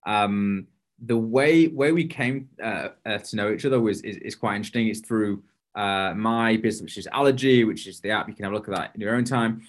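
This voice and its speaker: A man's voice: on the low side, a little fast. A man hosting a podcast interview over a video call, talking casually with many restarts and fillers. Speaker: podcast host.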